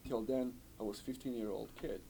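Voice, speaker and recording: A man's voice: mid-range voice, fairly even intonation, a little fast, gravelly, warm tone, slight background noise, poor audio. A man from Yugoslavia, recounting his story in an interview, talking fluently and saying "you know" often. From former Yugoslavia. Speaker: refugee interviewee. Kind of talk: recorded interview testimony.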